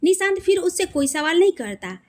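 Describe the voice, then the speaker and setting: A woman narrating a romantic story in an expressive, melodic storytelling manner. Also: very high voice, brisk.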